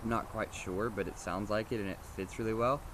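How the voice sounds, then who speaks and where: Talking a little fast in a lowish voice, a vocal screaming instructor gives an informal, repetitive lesson with loose explanations. A steady background noise runs through the noisy homemade recording.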